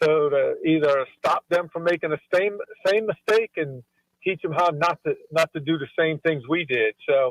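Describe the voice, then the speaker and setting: A normal speaking voice moves at a moderate pace with ordinary pitch variation. The sound is dry and close, with no echo. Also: man, fairly high pitch for a man. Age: 60s. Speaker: gubernatorial candidate. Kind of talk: interview.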